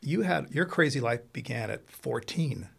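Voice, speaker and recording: A man's voice: medium pitch, lively intonation, moderate pace, vocal fry, a bit bright, breathy edge. A man from Italy hosting a casual interview, talking in an enthusiastic, rambling and effusive way. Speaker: podcast host.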